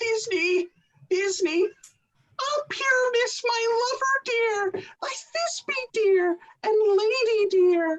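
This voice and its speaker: A put-on character voice, female-sounding and squeaky, moves at a very slow pace with an extremely high pitch. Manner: theatrical, melodramatic, mock-romantic.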